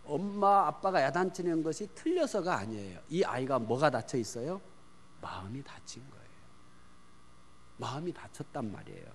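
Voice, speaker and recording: Animated male preacher in a reverberant church. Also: on the high side, fairly quick, few pauses. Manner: asks the congregation questions and answers them himself; swings from loud emphasis to hushed near-whispers. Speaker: pastor. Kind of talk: sermon on parenting. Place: church sanctuary. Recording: long church hall reverb.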